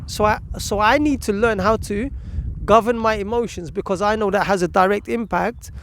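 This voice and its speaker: A man presenting informal, motivational parenting advice, speaking emphatically in deliberate phrases with pauses. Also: high voice, a bit bright, a little hiss or hum.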